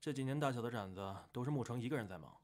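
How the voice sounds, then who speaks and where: A man's voice: mid-range voice, animated, very fast, a little mellow, close to an everyday voice. A laid-back young man voiced by an actor in an amateur radio play. He sounds casual, caring and a little exasperated, in a mid-range voice. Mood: coaxing. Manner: coaxing, casual. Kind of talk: amateur radio drama acting.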